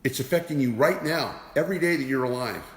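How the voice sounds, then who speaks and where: An energy awareness teacher delivers a motivational talk in a medium-pitched, expressive male voice at a quick pace. He is emphatic and keeps repeating rhetorical questions, and the recording sounds roomy with a long reverb.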